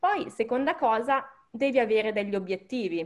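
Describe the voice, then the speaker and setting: This woman's voice sits high in pitch. She speaks at a fairly slow pace. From northern Italy, near Lake Maggiore. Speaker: online Italian teacher. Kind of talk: interview.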